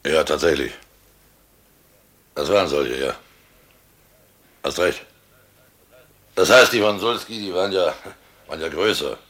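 An actor playing a guilt-ridden, wily village innkeeper, nervous and falsely jovial, in a radio play, with a gravelly, husky voice. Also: male voice, extremely low pitch, a little slow, long pauses, a bit bright, heavily acted. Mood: forced joviality. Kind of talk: German radio play acting.

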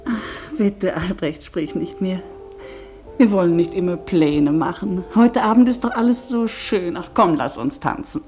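Tender, low-voiced wife. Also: female voice, expressive, measured pace, a little mellow, faint music behind. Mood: pleading, playful. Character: tender, wistful wife of an exiled doctor. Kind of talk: radio play acting.

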